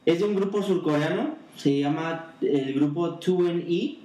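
Slightly high-voiced man in an echoey room. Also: unhurried, dark tone. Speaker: podcast co-host. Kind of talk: casual chat. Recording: roomy echo with faint background noise.

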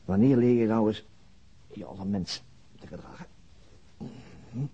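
Stubborn grave detective, low husky voice, terse delivery, radio drama, dull lo-fi sound. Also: male voice, a little slow, warm tone. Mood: muttering self-reproach. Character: brooding, terse, stubborn male police detective. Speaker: actor in a radio crime drama. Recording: dull, muffled lo-fi audio.

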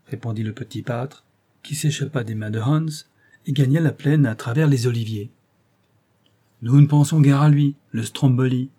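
Man with a mellow voice reading a novel. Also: medium pitch, husky. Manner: expressive reading, lifting his voice for quoted speech. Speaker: audiobook narrator. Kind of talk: scripted narration of a classic novel.

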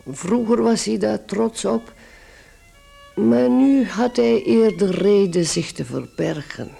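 A man narrating a radio drama in a measured, literary manner from a script. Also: sits high, gravelly, dark tone.

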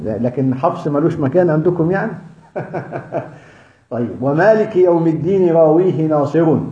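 A man's voice: mid-range voice, warm tone, a little hiss or hum. A man with an Egyptian accent teaching Quran recitation, who jokes lightly and drills letter sounds one by one. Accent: Egyptian Arabic. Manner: jokes lightly, breaks into laughter. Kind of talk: lecture on tajweed. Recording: echoey, dull lo-fi recording.

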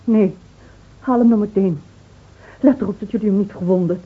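Husky grieving village wife, played by an actress, tinny recording. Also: female voice, mid-range voice, close to an everyday voice. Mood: urgent pleading. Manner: solemn, measured, pleading. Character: grieving, devoted middle-aged village wife of a lost man. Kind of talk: Dutch radio drama acting. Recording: tinny, narrow-band old radio recording.

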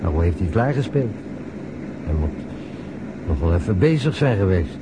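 Brooding detective, very noisy recording. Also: male voice, deep voice, very animated, normal speed. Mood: probing. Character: questioning, reflective male police detective, brooding colleague. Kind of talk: naturalistic radio drama dialogue.

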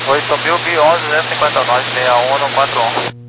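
A man's voice: fairly high pitch, brisk. A man with a Brazilian accent giving clipped pilot readbacks over a walkie-talkie style aviation radio. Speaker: airline pilot. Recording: very noisy radio with mains hum.

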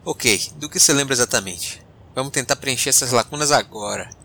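Um homem interpretando um capitão de nave informal e expressivo, apresentador e narrador de um audiodrama. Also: male voice, medium pitch, fairly quick, gravelly, pushed and bright. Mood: exasperated. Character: male spaceship captain, breezy, mildly grumpy storyteller. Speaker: host. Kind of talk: audio drama narration and dialogue.

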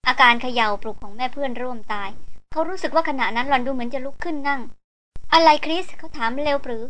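Woman reading a novel audiobook, high voice, steady storyteller pace. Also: fast, slight background noise. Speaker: audiobook reader.

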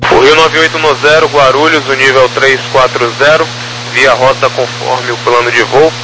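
A man with a Brazilian accent working as an airport controller, giving procedural instructions over the radio. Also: mid-range voice. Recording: noisy air traffic radio channel.

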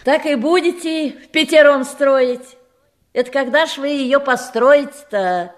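An actress playing a gossipy, sceptical village housewife in a radio drama, with a folksy, doubting manner. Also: female voice, sits high, measured pace. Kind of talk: Russian radio drama acting.

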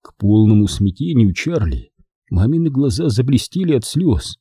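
Dark, husky male narrator. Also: medium pitch, sing-song, moderate pace, no room sound, studio quality. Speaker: audiobook reader. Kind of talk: scripted narration.

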